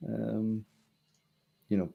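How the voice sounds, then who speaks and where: A man's voice: on the low side, flat delivery, creaky, narrow, tinny audio, full character voice. A man playing a guarded, plain-spoken townswoman in a tabletop game, hesitant and choosing words with care. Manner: hesitant, measured, picking words carefully. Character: guarded, plain-spoken townswoman talking over local mysteries.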